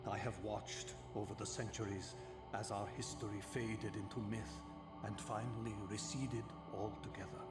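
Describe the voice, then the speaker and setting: An actor playing an ancient, gentle vampire guardian in a video game, weary and sorrowful, with a solemn, measured delivery. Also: male voice, fairly low pitch. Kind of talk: scripted video game cutscene acting. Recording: echoing game audio with music behind.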